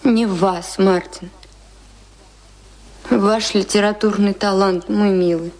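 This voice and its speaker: An actress in a radio drama playing a reluctant, gently condescending young woman, measured, evasive and cool. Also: medium pitch, fairly even intonation, lightly acted. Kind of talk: dramatic radio play acting.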